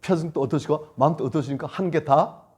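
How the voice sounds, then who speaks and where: A male pastor preaching a sermon, emphatic and repetitive, swinging between loud lines and hushed ones. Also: a little high, quick pace, husky. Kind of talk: sermon at a church retreat.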